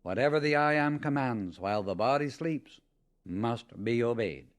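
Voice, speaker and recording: Solemn, deliberate, and expressive, a man with a mid-range pitch works through a scripted spiritual teaching. He leans firmly on key words, much like someone narrating an audiobook.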